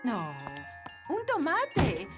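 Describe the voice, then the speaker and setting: A grumpy, theatrical old fairy nanny from a children's cartoon. She speaks Latin American Spanish on the high side, with big melodic swings, over prominent music. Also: wildly swooping pitch, extremely slow, full character voice. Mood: matter-of-fact. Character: grumpy elderly female fairy nanny who does magic. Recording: music and tinkles behind.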